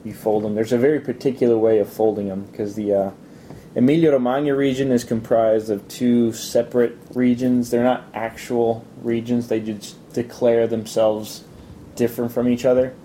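Young guy from italy, real dark mellow voice, rambly easygoing chat, lots of uhs and ums. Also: medium pitch, a little hiss or hum. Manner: relaxed, halting with fillers and restarts. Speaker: interviewee. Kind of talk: casual chat.

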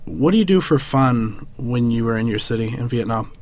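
A man with a medium-pitched voice acts as interviewer. He keeps it casual, putting simple questions plainly and acknowledging answers briefly. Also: animated, normal speed, darkish tone.

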